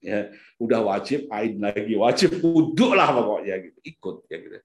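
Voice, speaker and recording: A man's voice: lowish voice, lively intonation, normal speed. A man giving an informal seminar talk on parenting and the brain, rambling with many fillers and restarts and rising to emphatic peaks.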